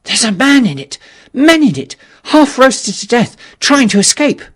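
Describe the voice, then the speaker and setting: Man acting an agitated, high-pitched, urgent astronomer. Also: very animated, a little slow, a bit bright, heavily acted. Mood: horrified alarm. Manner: urgent, exclaiming. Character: agitated male astronomer, breathless with alarm and urgency. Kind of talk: dramatised audiobook dialogue.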